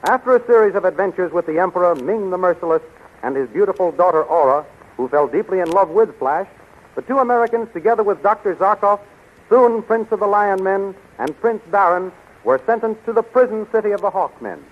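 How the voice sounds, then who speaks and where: High-voiced male announcer, tinny 1930s radio. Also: fairly quick. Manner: dramatic, declamatory. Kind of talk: 1930s radio scripted narration.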